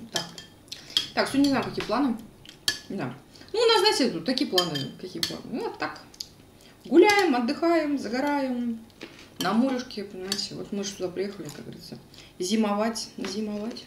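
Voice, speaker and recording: There is noticeable background noise as a woman talks. She leaves long, frequent pauses, and her loudness swings widely. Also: moderate pace. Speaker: vlogger. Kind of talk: casual vlog chat over a meal. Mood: relaxed, chatty. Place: kitchen. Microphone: camera far.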